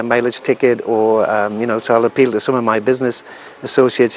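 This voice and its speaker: Halting male interviewee outdoors. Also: mid-range voice, a little hiss or hum, low-quality recording. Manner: halting, lots of fillers and restarts. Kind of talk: casual interview answers.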